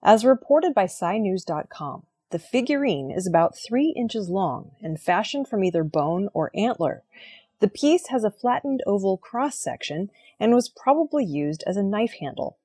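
A woman reading the weekly archaeology news headlines in a clear, measured scripted style. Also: medium pitch, sing-song, warm tone. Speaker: news reader.

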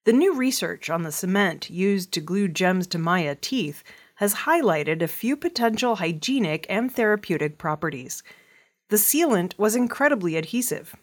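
A woman reading archaeology news stories in a steady, clear newsreader manner. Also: mid-range voice. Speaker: news reader.

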